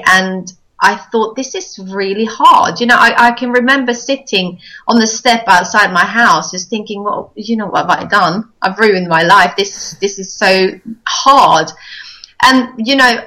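A woman in her forties, from Sweden, tells her story with candid reflection. Her voice is bright and forceful, pitched in the middle for a woman. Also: poor audio. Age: 40s. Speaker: podcast guest, doula. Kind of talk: casual interview.

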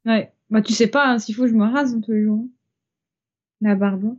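A woman's voice: on the high side, steady tone, normal speed. Lady chatting playfully, lots of euhs, kinda muffled recording. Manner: playful, filler-heavy recommending. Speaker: podcast co-host. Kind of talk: casual chat. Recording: slightly dull lo-fi sound.

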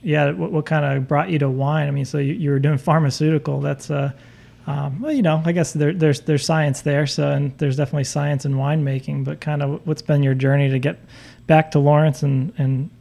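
A man's voice: a little high, fairly even intonation, a little fast, creaky, mellow. A man co-hosting a local food podcast, rambling a bit with lots of "you know" as he talks. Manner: rambling, many fillers and restarts. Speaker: podcast co-host. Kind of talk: casual podcast chat.

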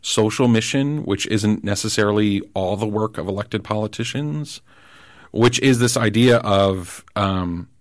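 A man with a lowish voice, thinking aloud in a relaxed political chat. He halts and restarts often as he works through ideas. The sound is dry and close, with no room around it. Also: no room sound. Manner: thoughtful, halting, many restarts. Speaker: podcast guest. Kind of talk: casual political conversation.

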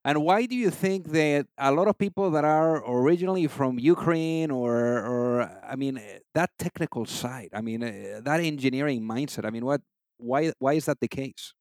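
A man's voice: mid-range voice, moderate pace, a little mellow, no room sound, studio quality. A man hosting an interview podcast, introducing his guest with enthusiasm and asking long, winding questions. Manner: enthusiastic, rambling, filled with "you know". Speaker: podcast host.

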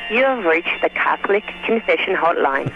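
A man's voice: on the high side, animated, normal speed, gravelly, over loud music. A man voicing a recorded confession hotline menu heard over a tinny phone line, formal and scriptural in wording. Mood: solemn formal.

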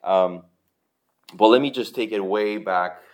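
Low-voiced man with a Romanian accent. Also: measured pace. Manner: relaxed, chatty, many fillers, soft chuckles. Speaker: church planter giving a testimony. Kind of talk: conversational church testimony.

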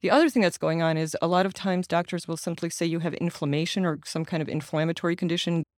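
A man's voice: fairly high pitch, steady tone, fast, no echo, studio quality. A middle-aged man raised speaking Ukrainian, answering interview questions in an earnest, explanatory way with frequent restarts. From United States, Ukrainian American family. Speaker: guest, patient advocate and author.

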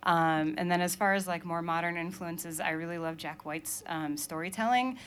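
A woman's voice: fairly low pitch, moderate pace. A young adult woman from Maine, a musician chatting casually in an interview, laughing often and filling her talk with "like" and "um". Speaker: musician guest.

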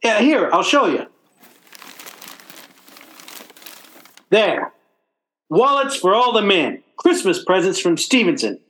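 A man's voice: high voice, very animated, unhurried, fairly bright tone, roomy sound, full character voice. An actor playing a blustering, self-pitying working-class father in old-time radio comedy style, with stammering, folksy, ungrammatical speech. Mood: exasperated.

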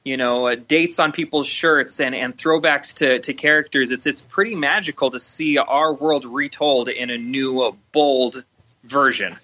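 A man's voice: medium pitch, measured pace, sharp tone, muffled recording. A man on a podcast, talking enthusiastically in casual chat.

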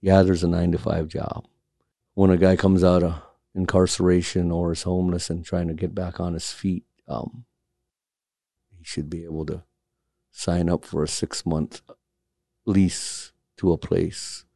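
A man from Alaska who runs a carving studio, speaking in a reflective, halting documentary interview. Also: low voice, little pitch movement, creaky, dark tone, dry recording. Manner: reflective, halting, with repeated starts.

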